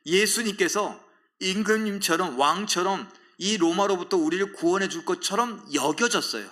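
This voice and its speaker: A man's voice: high-pitched, normal speed, bright, forceful tone. A male pastor preaching a sermon in a dramatic way, often putting questions to the congregation.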